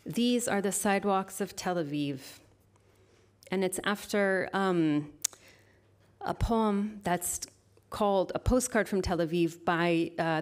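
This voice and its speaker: A middle-aged woman poet and lecturer, introducing her work haltingly before a slow, measured reading of her poems into a stage microphone. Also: on the low side. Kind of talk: poetry reading with spoken introduction. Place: stage at a literary venue.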